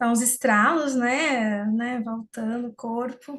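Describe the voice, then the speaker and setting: A woman speaks at a very slow pace in a fairly high, monotone voice with flat intonation. The background is quiet. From Brazil, São Paulo state interior. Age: 40s. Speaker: psychology student presenting at a congress. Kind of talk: guided stretching exercise; conference talk. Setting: video call (online congress via Zoom).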